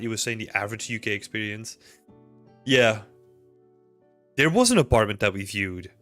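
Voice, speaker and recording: A man's voice: mid-range voice, fairly bright tone. A man from Belgium in his thirties, casually chatting with livestream viewers, rambling with lots of fillers. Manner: rambling, filler-heavy, answers chat questions. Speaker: livestream host. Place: small home room indoors. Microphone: desk mic with headphones.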